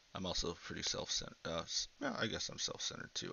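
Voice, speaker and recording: A man whispering quietly at a fairly quick pace. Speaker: digital artist streamer. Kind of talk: casual live stream talk while painting. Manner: quiet, almost whispering; halting, many fillers.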